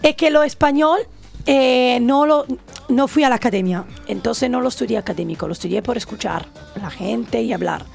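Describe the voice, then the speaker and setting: Gravelly woman with hesitant speech. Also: fairly high pitch, normal speed, faint music behind. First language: Italian. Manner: hesitant, with many fillers. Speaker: radio guest. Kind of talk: radio interview. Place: radio studio.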